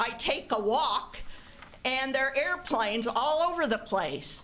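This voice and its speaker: Lively intonation marks this woman's fairly slow delivery. Audible room echo surrounds her voice. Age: 60s. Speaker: public commenter. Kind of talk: public comment at a meeting. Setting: public meeting hall.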